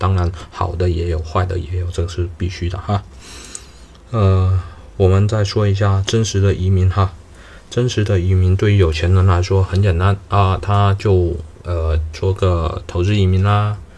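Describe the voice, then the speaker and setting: Amid noticeable background noise, a man speaks in a very deep, low pitch, monotone and flat, at a moderate pace. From southern China. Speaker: immigration and study-abroad consultant, podcaster. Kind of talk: solo monologue podcast. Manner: halting, many fillers.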